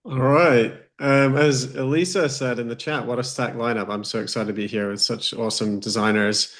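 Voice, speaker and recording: A man's voice: mid-range voice, fairly even intonation, moderate pace, a bit bright. A man moderating a livestream design panel over a video call, upbeat and friendly.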